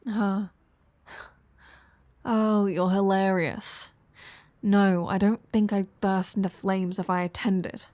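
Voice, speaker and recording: A woman's voice: medium pitch, little pitch movement, slow, long pauses, a little mellow, no room sound, lightly acted. A woman playing a flirty, sardonic female vampire in an audio roleplay, teasing the listener with dry sarcasm.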